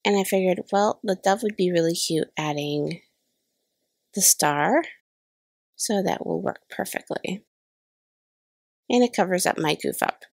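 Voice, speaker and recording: A woman's voice: lowish voice, unhurried, gravelly, long pauses, no room sound, studio quality. A woman in her thirties with a cold and a slightly nasal voice, chatting casually through a voice-over crafting tutorial and laughing off her own mistakes. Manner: chatty, self-deprecating about mistakes. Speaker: card-making channel host. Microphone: voice-over recorded separately.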